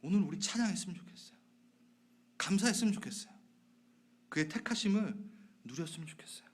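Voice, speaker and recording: A man preaching a sermon as pastor of a church, talking conversationally with his congregation, asking them questions and dropping from loud emphasis to soft whispered asides. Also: high voice, fast. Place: church sanctuary.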